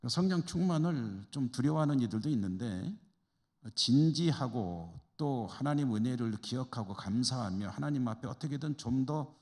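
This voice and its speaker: In a reverberant church hall, a man from Korea's Chungcheong region, a pastor, guides a Bible study with conversational talk and rhetorical questions for the class. He has a mid-range voice with a darkish tone.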